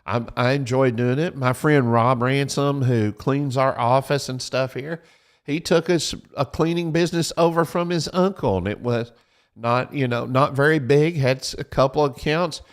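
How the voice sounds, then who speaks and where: A man's voice: mid-range voice, moderate pace. A man hosting a Christian show, giving practical advice in a folksy, repetitive, preaching style and urging listeners to write things down.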